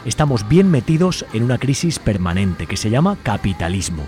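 A man's voice: fairly low pitch, big pitch swings, brisk, mellow. Spanish man reading a radio editorial over music. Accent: Spain. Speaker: radio programme presenter. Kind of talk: scripted editorial narration. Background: music under the voice.

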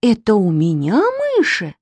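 A woman voicing a fussy, excitable, squeamish aunt in a storybook reading, with high shrill exclamations. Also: normal speed, slightly rough, dry recording. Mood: indignant.

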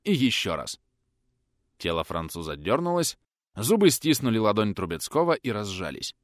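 Audiobook narrator, man, tense vivid reading, lively pitch, dry studio sound. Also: moderate pace, dry recording.

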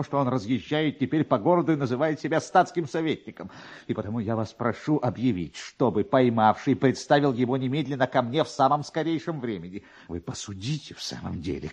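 A man's voice: mid-range voice, darkish tone, slightly rough. A man voicing an agitated, self-important male government official, flustered and insistent, in a dramatised literary reading. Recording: dull, lo-fi archive radio recording.

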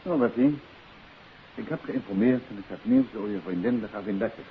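An actor playing a self-assured detective and devoted husband in a 1950s Dutch radio drama, speaking deliberately and with authority. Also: male voice, fairly low pitch, lightly acted. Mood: courteous, businesslike. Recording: hissy, muffled old radio recording.

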